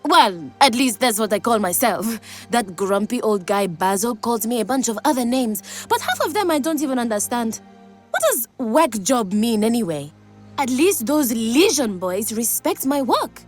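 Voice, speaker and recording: An actress voicing a manic, cheerful young woman in a video game, excitable and giggly, with a gleeful passion for explosives. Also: a little high, normal speed, faint music behind. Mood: chatty, earnest. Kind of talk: video game character acting.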